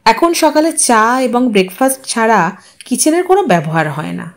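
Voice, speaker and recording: A woman's voice: fairly high pitch, very animated, normal speed. A woman narrating a literary audio story in a dramatized reading style.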